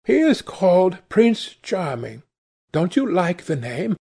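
A man's voice: sits high, sing-song, slow, gravelly, warm tone, husky, voice pushed up, heavily acted. A man reading aloud, voicing an eager, dreamy young woman in love with a breathless, gushing manner. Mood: rapturous.

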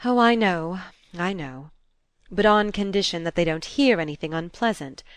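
A woman's voice: fairly low pitch, expressive, normal speed, clear, resonant tone, no echo, lightly acted. A woman voicing a sensitive young countess with a wistful, emotional manner.

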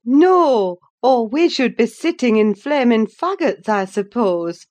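A brisk, warm-hearted housekeeper chatters in a lifted, lively voice, as a woman reader puts her on. She welcomes and fusses in a storybook reading. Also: a little high, voice pushed up. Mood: retorting. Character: brisk, kindly middle-aged housekeeper woman.

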